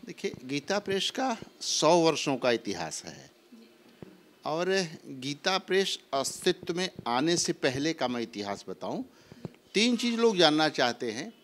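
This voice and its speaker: An older man, a manager, answering an interview question in a deliberate, explanatory way, into a handheld mic in an office. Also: a little high, very animated, fairly bright tone. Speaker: manager of a publishing house. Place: indoor office. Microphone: handheld mic held by interviewer.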